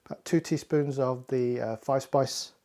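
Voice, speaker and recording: Hosting a laid-back cooking show at home, this man walks through every step in a chatty, self-deprecating way. He comes from a Hakka Chinese family and has a medium-pitched, darkish voice with a steady tone and a slightly slow pace.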